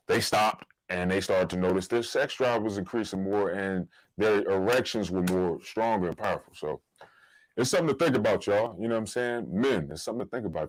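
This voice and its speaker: A man's voice: fairly low pitch, dry recording, rough recording. An American man hosting a podcast, talking casually in informal slang as he shares personal stories and advice. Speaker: podcast host.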